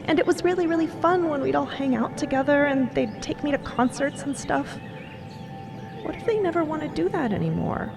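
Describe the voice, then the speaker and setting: A woman's voice: high-pitched, expressive, brisk, creaky, music in the background. A woman playing an anxious young niece in a fiction podcast, earnest and rambling in her worries. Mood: wistful. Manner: rambling, breathless run-on worrying.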